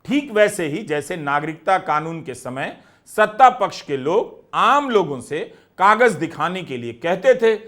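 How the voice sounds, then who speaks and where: Lively higher-voiced male news commentator. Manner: measured, explanatory narration.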